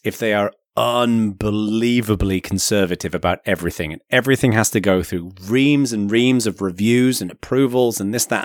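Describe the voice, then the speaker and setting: A man with a fairly low voice, recorded dry and close with no room sound. He rambles through a casual tech podcast, restarting his sentences and sounding mildly exasperated. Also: no echo. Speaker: podcast co-host.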